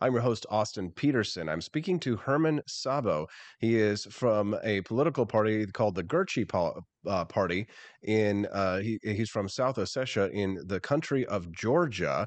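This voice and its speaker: A man with an American accent speaks at a moderate pace in a fairly low pitch. He has an ordinary speaking voice. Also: lively intonation. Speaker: talk show host. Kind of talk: interview.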